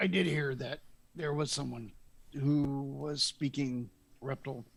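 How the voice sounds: A man's put-on character voice, gravelly and fairly high, at a fairly slow pace with fairly even intonation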